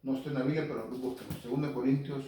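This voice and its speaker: A man's voice: mid-range voice, level tone, racing, dark tone, a little hiss or hum. A man teaching the Bible to a congregation, quoting scripture and speaking to listeners by name. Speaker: lay Catholic preacher. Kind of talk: Spanish-language Bible teaching. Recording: very echoey hall, from far off.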